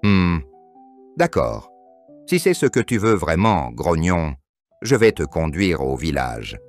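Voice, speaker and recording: A man's voice: low-pitched, sing-song, slow, faint music behind, exaggerated voice. A man voicing a stern but caring, cautious ogre father in a children's cartoon, firm and protective. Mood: reluctant, protective.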